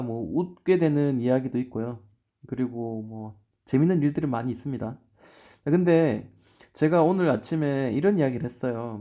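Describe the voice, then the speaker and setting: A man's dark, mellow, fairly high-pitched voice with ordinary pitch variation against a quiet background. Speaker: stock market YouTuber. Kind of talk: chart analysis commentary.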